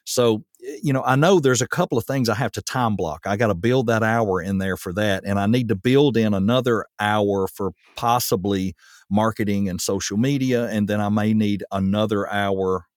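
A man's voice: on the low side, normal speed, no room sound, clean studio sound. A man hosting a podcast, chatting casually in a rambling way with plenty of fillers. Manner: rambling, relaxed, lots of fillers. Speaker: podcast host. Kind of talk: casual chat.

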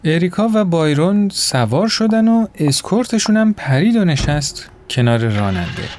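A man narrating a story in an expressive, acted-out way. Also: a little high, slight background noise. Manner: expressive, voices characters.

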